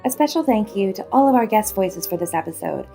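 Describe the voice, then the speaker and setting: A woman's voice: mid-range voice, lively intonation, a little fast, vocal fry, dark tone, faint music behind. A woman reading scripted end credits as the announcer of an audio drama.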